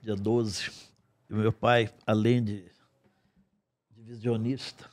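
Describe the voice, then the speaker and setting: A man in his sixties, a guest in a podcast studio, telling stories from his life in an unhurried, wry way with dry asides. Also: on the low side, level tone, darkish tone, no echo. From Brazil. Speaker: guest singer-songwriter. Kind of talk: storytelling in a podcast interview. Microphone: studio mic on a stand.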